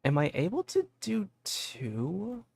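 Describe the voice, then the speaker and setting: A man's voice: high-pitched, wildly swooping pitch, slow, gravelly, a little mellow, no room sound. A man streaming a game, chatting casually and thinking aloud in a loose, rambling way. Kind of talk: casual livestream gameplay chat. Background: faint game music.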